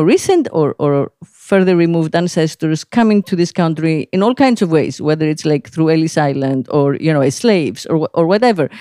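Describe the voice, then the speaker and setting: A woman's voice: low voice, dark tone, dry recording, studio quality. A middle-aged woman from Greece, whose first language is Greek, talking casually as a podcast host, rambling with many fillers and frequent laughs. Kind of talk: casual conversation.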